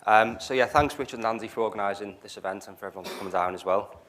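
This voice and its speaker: Deep-voiced Liverpool man giving a tech talk. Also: very fast, fairly bright tone, a little hiss or hum. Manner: hesitant, frequent fillers. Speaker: presenter. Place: meetup venue, live audience. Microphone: handheld mic.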